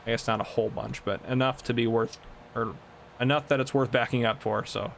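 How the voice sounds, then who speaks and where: A man's voice: mid-range voice, fairly even intonation, a little fast, creaky, a little hiss or hum. A man in his twenties chatting casually while playing a farming game at home, rambling and laughing often. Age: 20s. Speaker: gaming channel host. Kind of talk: casual gameplay commentary. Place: home room.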